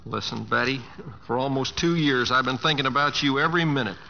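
An actor playing a bashful, earnest Oklahoma cowboy in an old-time radio drama, with a rural Oklahoma accent and a hesitant, folksy drawl. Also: male voice, medium pitch, fairly quick, creaky, sharp tone, slight background noise. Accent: American, rural Oklahoma. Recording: dull vintage radio recording, faint music.

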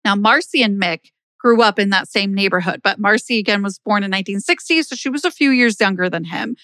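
A woman tells a true crime story on her podcast, keeping it casual and loose. Her voice is smooth and clear, recorded close and dry. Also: medium pitch, brisk, fairly bright tone, dry recording. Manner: conversational storytelling with fillers. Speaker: podcast host.

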